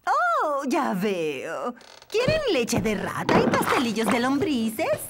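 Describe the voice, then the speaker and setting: Excitable old witch, wildly swooping voice. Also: on the high side, very noisy, full character voice. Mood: welcoming. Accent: Latin American. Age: older. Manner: exclamatory, drawn-out, indignant when slighted. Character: retired old witch, friendly host, easily offended. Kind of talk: dubbed children's cartoon acting.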